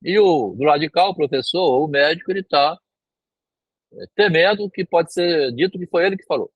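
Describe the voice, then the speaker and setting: A fairly high, husky Brazilian Portuguese male voice, heard dry and close. He works through a literary passage like a lecturer, reading a line, repeating it, then explaining it in plain words with a checking tag. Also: lively intonation, normal speed, no room sound, highs cut off. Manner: rereads phrases and paraphrases them, often tagging "né?".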